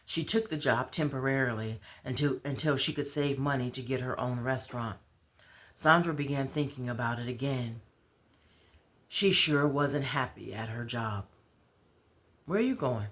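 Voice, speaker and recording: A woman's voice: very deep voice, moderate pace, a bit bright. Female author-storyteller, narrative read-aloud of a novel. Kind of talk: expressive read-aloud of fiction.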